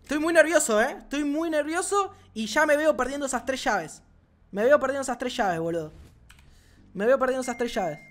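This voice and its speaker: A man with an Argentine accent giving excited gameplay commentary as a gaming channel host, swearing and shouting often. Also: very high-pitched, fairly quick, soft background music. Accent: Argentine Spanish.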